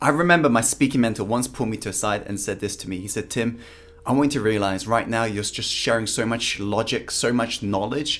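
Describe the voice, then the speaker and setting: A man's voice over noticeable background noise. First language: not English. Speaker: motivational speaker and speaking coach. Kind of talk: motivational tutorial. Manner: animated.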